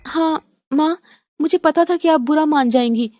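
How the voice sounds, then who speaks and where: Young bride, high and sweet, dry close recording ; a woman voices her. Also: normal speed, darkish tone, no room sound, lightly acted. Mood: pleading. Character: young married woman, cheerful, earnest daughter-in-law.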